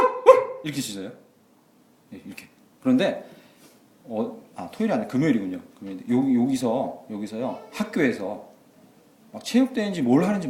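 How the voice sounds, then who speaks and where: Male pastor, mid pitch, animated sermon delivery, roomy echoing sanctuary. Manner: animated, swings from quiet asides to loud exclamations. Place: church sanctuary. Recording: echoey church hall.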